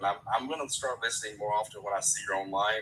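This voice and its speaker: A man talks at a fairly quick pace, with noticeable background noise around him. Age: 50s. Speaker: panel caller. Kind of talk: casual chat.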